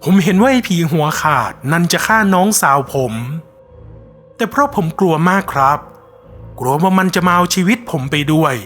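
A man telling a scripted ghost story in a measured, somber first-person voice. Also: high-pitched. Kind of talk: scripted horror narration. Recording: long reverb with soft music behind.

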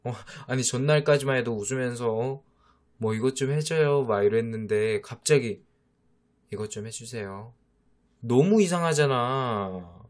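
A man doing a teasing, coaxing boyfriend, whispered role-play, mid-pitched voice, mock-exasperated. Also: moderate pace, lightly acted. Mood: playful scolding. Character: teasing boyfriend of a younger, jealous girlfriend. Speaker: voice actor.

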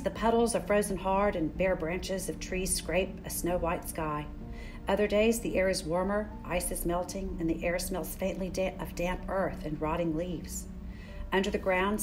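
An older woman hosting a children's story time, speaking in a gentle, deliberate way for young listeners. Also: on the low side, music in the background. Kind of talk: children's story time, picture book read-aloud. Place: furnished room in a church building.

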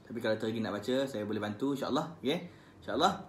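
A man with a Malaysian Malay accent teaching Quran recitation on a live stream. He chants verses slowly, then corrects pronunciation in quick, casual asides. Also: lowish voice, roomy sound, slight background noise. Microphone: phone live stream.

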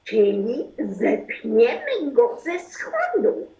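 A woman playing an excitable, dramatic woman plotter in an amateur radio play. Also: on the high side, drawn-out words, heavily acted. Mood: impatient. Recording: muffled, roomy home recording with music.

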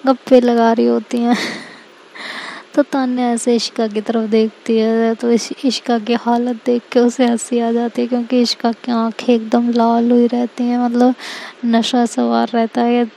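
A woman's voice: on the high side, monotone, measured pace, gravelly, warm tone, a little hiss or hum, poor audio. A woman narrating a romance serial in a chatty, intimate storytelling manner. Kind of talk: casual spoken storytelling.

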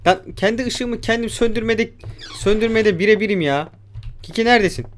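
A man's voice: sits high, brisk. A young man giving casual let's-play commentary on a horror game, jumpy, swearing and talking back at the game's creatures. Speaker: gamer.

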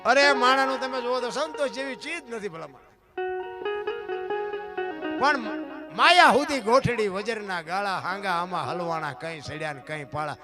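A man gives a folksy storytelling talk, pitched high and asking his listeners one question after another. Guitar music plays clearly behind him. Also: moderate pace, long pauses. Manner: folksy, rhetorical, addresses listeners as bapu. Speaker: folk storyteller. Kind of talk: folk storytelling talk to an audience.

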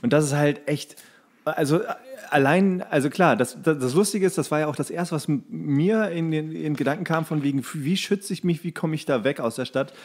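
A man's voice: on the high side, a little fast. Colloquial, rambling male podcast co-host. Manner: colloquial, rambling, trailing sentences. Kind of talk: casual chat about series.

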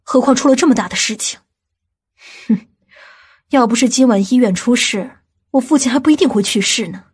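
A domineering aunt from an audiobook drama, acted by a woman. Her voice sits fairly high with a slightly husky edge. She talks in a bossy, scolding way, quick to show irritation. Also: a little mellow. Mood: indignant.

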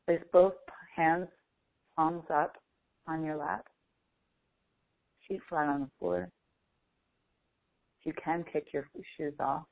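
A woman leading a guided meditation as a coach, speaking in a slow, deliberate, instructive manner with long pauses. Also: deep voice, steady tone, gravelly, dry recording. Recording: phone-like thin, band-limited audio.

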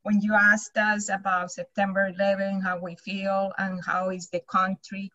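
A middle-aged woman with a Colombian accent, a native Spanish speaker, sharing personally in a halting, earnest way. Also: mid-range voice, little pitch movement, a bit bright, no room sound, muffled recording. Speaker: participant in a group video call. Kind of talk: personal sharing in a group discussion. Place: small home office, indoors. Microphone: computer mic on a video call.

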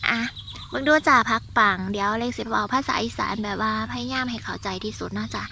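Isan lady showing off her veggie garden, chatty, gravelly voice, outdoors with birds. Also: fairly high pitch, steady tone, fast talker, noisy background. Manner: chatty, exclaiming, addresses viewers directly. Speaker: vlogger touring her vegetable garden. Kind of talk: casual walking garden tour.

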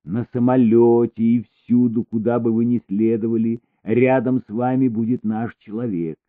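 A man reading an audiobook voices a calm male handler who talks in a soft, reassuring way. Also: mid-range voice, moderate pace, no echo, voice pushed up, natural voice. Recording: tinny phone-like recording.

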